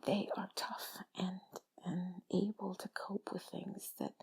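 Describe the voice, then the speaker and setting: A woman talking in a hushed, breathy, intimate whisper, rambling along in a reassuring, comforting way as if to one listener. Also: fairly low pitch, flat delivery, slow pace. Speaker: audio creator speaking to listener.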